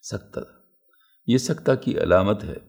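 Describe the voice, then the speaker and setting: A man's voice: fairly low pitch, vocal fry, darkish tone, husky. A man giving a patient, methodical religious lesson, explaining step by step with everyday examples. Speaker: religious teacher.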